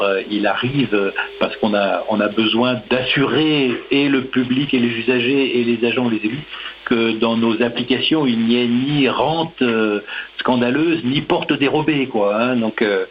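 A man talks as a radio guest, hesitating often and circling back to restart his sentences. His voice sits at an ordinary pitch. The line sounds slightly muffled, with a faint hiss underneath. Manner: hesitant, many fillers and restarts. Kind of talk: radio discussion.

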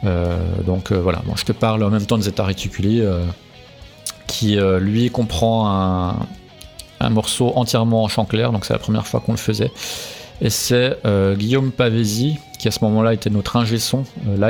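A man with a low, gravelly voice talks through his band's records in a casual interview. He hesitates a lot, filling gaps and restarting phrases. Faint music plays under the talk. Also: fairly even intonation, moderate pace, darkish tone. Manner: hesitant, many fillers and restarts. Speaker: musician guest.

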